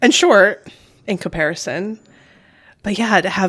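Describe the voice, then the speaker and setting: With some vocal fry, a woman talks at a moderate pace with ordinary pitch variation. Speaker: podcast host. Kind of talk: casual chat.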